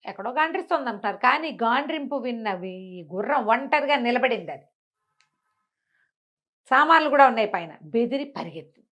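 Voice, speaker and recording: A woman telling a story in an animated, conversational way, as an informal oral storyteller. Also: a little high, fairly quick, long pauses. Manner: conversational, acts out characters' dialogue.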